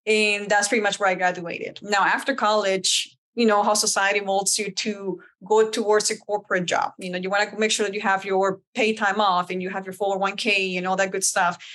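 A woman's voice: medium pitch, little pitch movement, fairly quick, hardly any pauses, fairly bright tone. A woman from Colombia whose first language is Spanish, telling her story as a podcast guest in a candid, chatty way. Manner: candid, chatty, uses many fillers. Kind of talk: casual interview storytelling.

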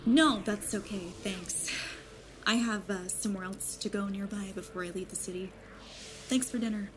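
A woman's voice: medium pitch, fairly even intonation, moderate pace, slight background noise, close to an everyday voice. A woman playing a probing young woman of twenty-one in an audio drama, outwardly light and secretly uneasy. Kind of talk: naturalistic audio drama acting. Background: background music.

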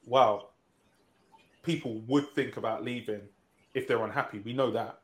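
A man hosting a business podcast, talking in a measured way and thinking aloud with rhetorical questions. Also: medium pitch, fairly even intonation. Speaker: podcast host. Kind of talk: conversational business talk. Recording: echoey room.

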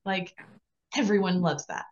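A woman hosting a podcast interview, reflecting warmly and affirming her guest. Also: lowish voice, measured pace, muffled recording. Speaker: podcast host. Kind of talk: conversational interview.

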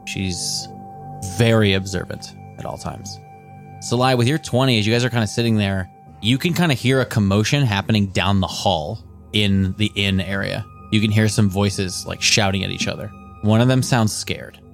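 A man narrating as game master of a tabletop game, relaxed and loose with fillers. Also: fairly low pitch, normal speed, creaky, faint music behind.

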